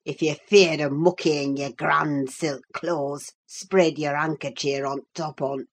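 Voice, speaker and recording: A woman's voice: low voice, steady tone, slow, voice pushed down, heavily acted. Woman putting on a sneering old Yorkshire manservant. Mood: mocking. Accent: Yorkshire dialect put on. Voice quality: gruff, sneering, drawling. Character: surly old male servant, sneering, broad dialect. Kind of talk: audiobook reading.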